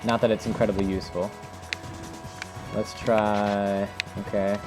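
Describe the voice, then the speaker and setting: Man, lowish pitch, casual gameplay commentary, informal, thinking aloud, clear background music. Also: flat delivery, a little slow. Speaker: host of a video game technique demonstration.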